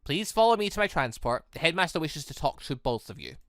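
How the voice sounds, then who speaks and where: A man's voice: on the high side, big pitch swings, quick pace, fairly bright tone, no room sound, clean studio sound. A man voicing a stern adult woman, a formal and curt academy instructor in a visual novel. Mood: reluctant, curt.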